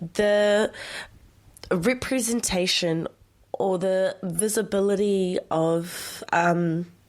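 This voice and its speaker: A woman with a New Zealand accent speaks at a very slow pace. Her medium-pitched voice keeps a fairly even intonation. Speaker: community radio podcast host. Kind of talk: solo podcast talk.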